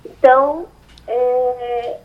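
A woman's voice: on the high side, steady tone, drawn-out words. Woman on a muffled landline phone. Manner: explanatory, hesitant fillers. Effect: over a landline phone. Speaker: neurologist guest on phone. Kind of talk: radio interview answers.

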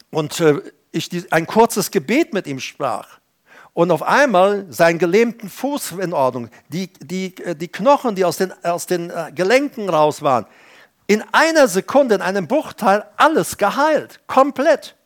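Earnest high-voiced preacher. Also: male voice. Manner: earnest, emphatic, acts out voices of people in stories. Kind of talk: sermon.

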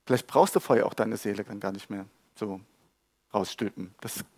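A man preaching a sermon to a live audience in a lively, conversational way, joking and asking the listeners questions. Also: fairly low pitch, brisk, no echo. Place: church hall with a live audience.

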